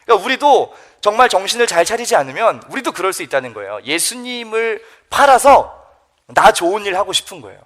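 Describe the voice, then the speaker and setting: A man preaching a youth sermon in church, telling the story in a lively way and acting out the characters. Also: high voice, fairly quick. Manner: animated storytelling, acts out characters. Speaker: youth pastor.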